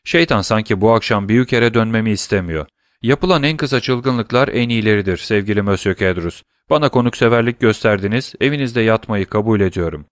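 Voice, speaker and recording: A man's voice: on the low side, a little fast, no echo, clean studio sound, close to an everyday voice. A man voicing a courteous, self-assured travelling jeweler.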